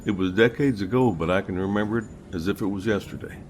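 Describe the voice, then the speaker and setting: A man playing a seasoned old captain in an audio drama, telling his story in a steady, folksy, unhurried way. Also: lowish voice, close to an everyday voice. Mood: reflective. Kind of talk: audio drama narration and dialogue.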